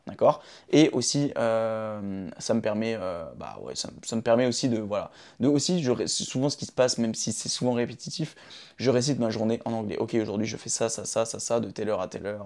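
A man's voice: mid-range voice, a little mellow. Young male vlogger, casual chatty delivery that keeps checking in with the listener, recorded on a phone indoors, mid-range voice. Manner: chatty, often checks in with "d'accord?" and "ok?". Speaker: vlogger sharing his daily routine. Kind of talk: casual direct-to-camera advice. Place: his room indoors. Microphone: phone camera.

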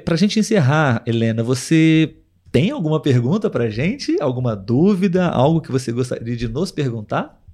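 A man hosting a live podcast, talking patiently and clearly with listeners over a video call. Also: mid-range voice, dark tone. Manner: patient, clear, slowed for learners. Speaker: podcast host.

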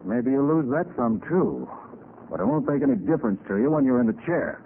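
Male actor as assured master sleuth explaining things briskly. Animated pitch, vintage radio crime drama, tinny sound. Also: close to an everyday voice. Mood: curt, commanding. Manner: assured, explanatory, crisp authority. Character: confident, brisk master detective, adult man. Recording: scratchy, thin 1940s radio recording.

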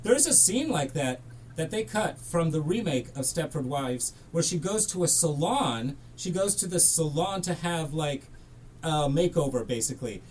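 A man's voice: fairly high pitch, animated, normal speed, a little mellow, slight background noise, low-quality recording. A man hosting a podcast, talking casually and drifting into tangents about films. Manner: chatty, tangent-prone. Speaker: podcast host. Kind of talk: casual film discussion.

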